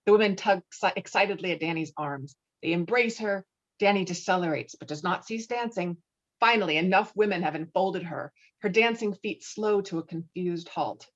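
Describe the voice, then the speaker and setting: A woman's voice: lowish voice, moderate pace, lo-fi sound. A woman reading stage directions as scripted narration for a virtual table read, recorded over an online call. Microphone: online call microphone.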